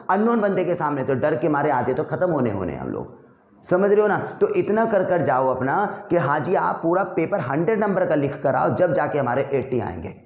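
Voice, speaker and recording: A man teaching spoken English in a casual, chatty way, repeating practice sentences slowly. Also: a little high, a little mellow, echoey room. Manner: chatty, addresses viewers as brother and friend.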